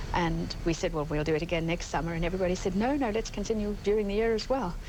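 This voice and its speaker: Speaking at a very fast pace with very even loudness, a woman talks in a South African accent. Audible room echo and noticeable background noise are present. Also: medium pitch for a woman, ordinary pitch variation. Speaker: piano teacher and chamber music center founder. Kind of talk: TV interview.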